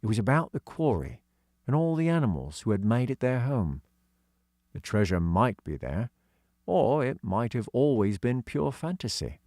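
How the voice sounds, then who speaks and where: A man's voice: mid-range voice, very animated, normal speed, dark tone, no echo, clean studio sound. A man reading scripted story narration as an audiobook narrator.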